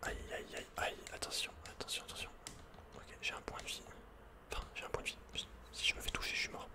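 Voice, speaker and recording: Whispering man, ASMR game commentary. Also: brisk. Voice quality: breathy, unvoiced whisper. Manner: playful, casual, slangy. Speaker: video game streamer and ASMR creator.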